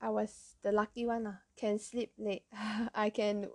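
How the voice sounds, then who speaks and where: A woman's voice: medium pitch, level tone, measured pace. A young woman with a Malaysian accent telling personal stories in casual, colloquial Malaysian English as the host of an episode. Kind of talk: casual chat, personal storytelling.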